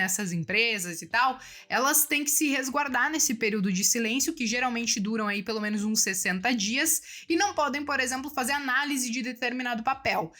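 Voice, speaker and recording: A woman's voice: a little high, fairly bright tone. A woman in her thirties from Brazil, answering viewer questions about investing in a casual, chatty way, often checking in with her listeners. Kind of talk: casual explanatory talk.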